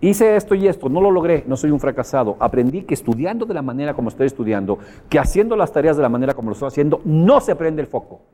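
A man's voice: fairly high pitch, big pitch swings, quick pace, hardly any pauses, warm tone. Emphatic Mexican man giving a motivational seminar. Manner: emphatic, colloquial, repeats phrases for effect, asks the audience questions. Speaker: motivational speaker teaching a group.

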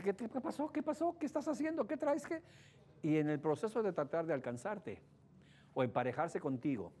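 A man with a Mexican accent gives a lively talk to an audience, telling stories, acting out the voices of the people in them and asking the audience questions. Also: a little high. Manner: animated, acts out voices in his stories, asks the audience questions. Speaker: speaker giving a relationship talk.

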